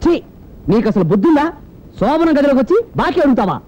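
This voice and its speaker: An actor playing a frustrated young bridegroom who whines and argues in an excitable comic way, from an old comedy film. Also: male voice, very high voice, fast talker. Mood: exasperated. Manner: excitable, whining. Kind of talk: 1990s comedy film dialogue. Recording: dull old film soundtrack with music.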